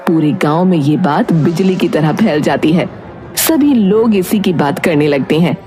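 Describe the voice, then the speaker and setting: A woman's voice: deep voice, expressive, unhurried, mellow, soft background music. A woman giving scripted narration for a moral story.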